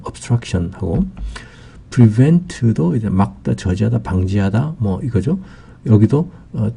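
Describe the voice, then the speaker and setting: Raspy dark-voiced guy explaining english words slowly, lots of "uh"s. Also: on the low side. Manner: patient explaining with many fillers. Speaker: English vocabulary teacher. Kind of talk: spoken vocabulary lesson.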